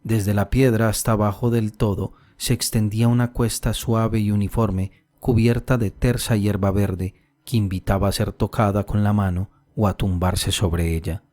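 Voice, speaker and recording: A man reading a classic short story aloud as an audiobook narrator, calm and measured. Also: lowish voice, no room sound.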